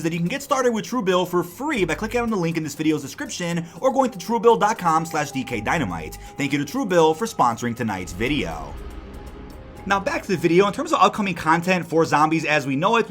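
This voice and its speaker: A man's voice: fairly high pitch, a bit bright. A man hosting gaming news commentary, speaking emphatically and directly to his viewers. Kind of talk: scripted-sounding gaming news commentary to camera audience.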